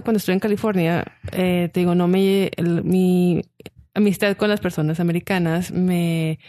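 A woman with a mid-pitched voice, recorded close and dry. She talks in a relaxed, conversational way as a co-host, telling personal stories. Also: no room sound. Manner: conversational, tells personal anecdotes. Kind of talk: casual chat.

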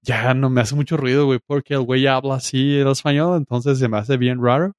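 A man's voice: mid-range voice, steady tone, a little fast, a little mellow, clear, resonant tone, dry recording, clean studio sound. A man from Mexico with a Mexican Spanish accent, chatting casually as a podcast host in slangy, joking language. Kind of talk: casual chat.

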